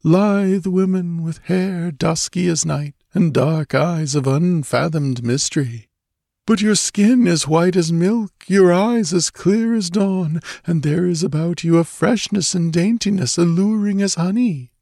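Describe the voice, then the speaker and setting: A male narrator plays a dreamy man of a lost city in a fantasy audiobook. His voice sits high and drawls through florid, archaic phrases. He is sensuous and detached, quick to panic, and recorded close and dry. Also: creaky, dark tone, dry recording.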